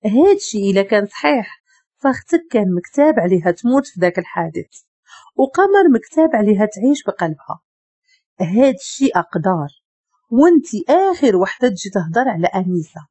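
A woman's voice: medium pitch, sing-song, brisk, mellow, breathy edge, dry recording. Woman reading as a cold, harsh Moroccan businessman. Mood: angry. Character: stern cold businessman, hard and angry.

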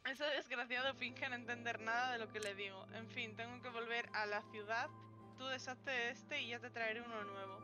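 Woman as a grumbling, high-pitched communist donkey. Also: steady tone, normal speed, muffled recording, over music, close to an everyday voice. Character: grumbling communist donkey, underpaid, aggrieved cart-puller. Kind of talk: reading game dialogue aloud in character.

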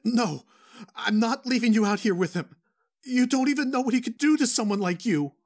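Scared little squirrel kid lady acting, high anxious pleading voice, cartoony audio drama. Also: lively intonation, moderate pace, darkish tone. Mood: urgent, worried. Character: small, timid, frightened young squirrel.

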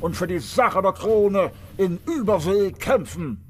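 A man's voice: high voice, expressive, measured pace, music in the background, pitched above the performer's own voice. A man playing a haughty royal official who speaks ceremonially in an audio play. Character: pompous male royal official passing sentence.

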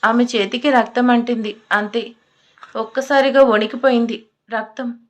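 Emotive woman storyteller, fairly high voice. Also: steady tone, moderate pace. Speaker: audio story narrator. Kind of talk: scripted story narration.

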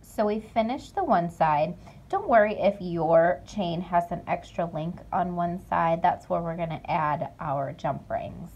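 A woman's voice: on the low side, darkish tone, a little hiss or hum, poor audio. A young woman presenting a craft tutorial, explaining each step carefully and repeating key words for emphasis. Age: young adult. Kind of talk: step-by-step instructional demonstration.

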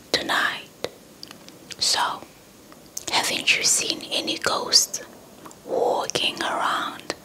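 A young woman telling a story in a breathy ASMR whisper close to the mic, deliberate and softly repeating words. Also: rough recording. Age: young adult. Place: indoors in front of a dark cloth backdrop. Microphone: handheld small mic with fluffy windscreen, held close.

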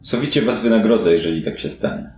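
A man's voice: lowish voice, lively intonation, fast talker, darkish tone, natural voice. A man voicing a shrewd, dismissive woman who runs port-side crime in a fantasy tabletop game, talking in an offhand, worldly, slangy way. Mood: polite, brisk. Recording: echoey room with clear background noise.

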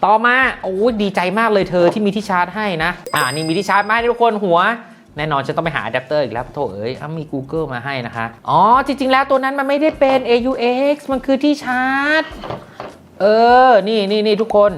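Lively low-voiced woman reviewing gadgets. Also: brisk. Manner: chatty and excitable, frequent exclamations. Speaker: tech reviewer. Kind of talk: casual unboxing review.

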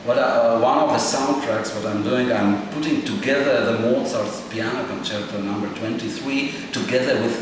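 A man in his fifties whose first language is Estonian, a composer answering interview questions in English with halting, animated phrasing and many fillers, in a small room. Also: medium pitch. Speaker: composer and performer. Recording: echoey room, distant mic, noisy.

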